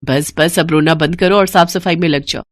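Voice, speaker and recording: A woman's voice: low-pitched, steady tone, moderate pace, no echo, clean studio sound, close to an everyday voice. A woman voicing a haughty rich housewife in a dramatised story, curt and imperious. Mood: stern, scolding. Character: haughty, bossy rich housewife scolding her maid. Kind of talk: dramatised Hindi bedtime story.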